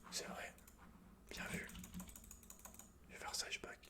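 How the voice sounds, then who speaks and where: Whispered male gamer, breathy, bright hiss, casual slang and swearing, keyboard typing behind. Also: slow pace. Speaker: host of an ASMR gaming channel. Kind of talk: whispered ASMR gaming commentary. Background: computer keyboard clicks and typing.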